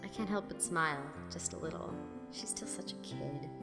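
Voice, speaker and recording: A woman's voice: fairly low pitch, normal speed, natural voice. An actress playing a weary, haunted young woman who narrates her own story in an audio drama, intimately and expressively. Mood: weary, fond. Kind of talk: first-person audio drama narration, acted. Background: prominent music.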